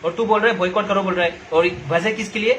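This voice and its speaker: A man's voice: high-pitched, steady tone, fast talker, a bit bright, a little hiss or hum, rough recording. A young man from Nagaland, ranting angrily and directly at someone, lecturing and repeating his points. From Nagaland, India. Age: young adult. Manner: confrontational, lecturing, repeats himself. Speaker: social media commentator. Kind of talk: angry direct-to-camera rant.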